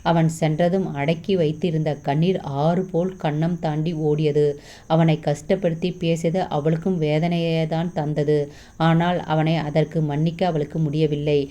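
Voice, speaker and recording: A woman reading a romance novel aloud as storyteller, steady and measured. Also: deep voice. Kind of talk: scripted novel narration. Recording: slightly dull lo-fi recording.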